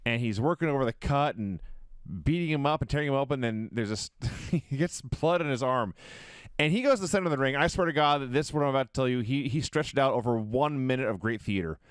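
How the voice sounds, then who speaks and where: A man with a smooth, resonant voice and a middle pitch recounts a wrestling match in vivid detail. He builds the story with animated storytelling, casual swearing and little laughs. The sound is dry and close. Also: quick pace, no echo. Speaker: podcast co-host. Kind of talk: casual wrestling recap chat.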